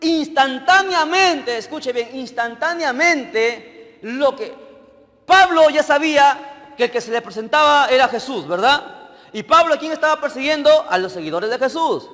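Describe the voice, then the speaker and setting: High-pitched male evangelist, sermon style, quizzes the congregation, reverberant hall. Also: animated, normal speed, fairly bright tone. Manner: questions the congregation directly, checking they follow. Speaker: evangelist preacher. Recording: long hall reverb with faint music.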